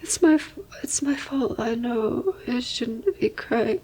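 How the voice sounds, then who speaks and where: A woman's voice: a little high, flat delivery, unhurried, a little mellow, breathy edge, poor audio. A woman voicing a timid, deferential young servant who speaks hesitantly and very politely. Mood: tearful.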